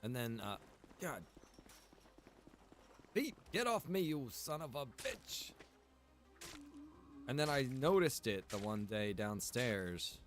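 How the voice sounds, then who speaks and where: A man's voice: mid-range voice, big pitch swings, takes it slowly, pauses often, faint music behind. A man chatting casually on a gaming stream in a rambling, casually profane way. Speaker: streamer playing a roleplay survival game.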